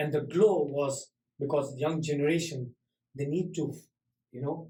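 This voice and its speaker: A man speaks at a fairly high pitch. His voice is somewhat breathy, with a dark, mellow tone. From immigrant to the US. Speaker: small business owner. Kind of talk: interview. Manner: halting.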